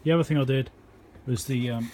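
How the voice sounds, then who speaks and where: An electronics repair presenter talking casually as he works at his home workbench, thinking aloud with frequent ums and pauses. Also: medium pitch, very noisy. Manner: thinks aloud with many ums, counts into the mic.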